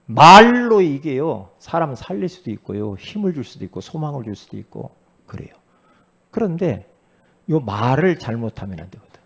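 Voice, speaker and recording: Gravelly-voiced Korean pastor preaching. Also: male voice, medium pitch, normal speed. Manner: lively preaching that questions the congregation and acts out quoted voices. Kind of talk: sermon.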